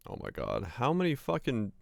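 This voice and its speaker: A man with a raspy voice giving loose, profane live commentary as a game streamer and answering chat offhand. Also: mid-range voice, wildly swooping pitch, brisk, dry recording. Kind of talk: casual live gameplay commentary.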